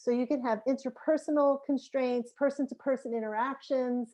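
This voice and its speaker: Her voice is high and carries a slight New York accent. The woman speaks at a moderate pace. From New York City. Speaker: psychology professor. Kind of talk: lecture.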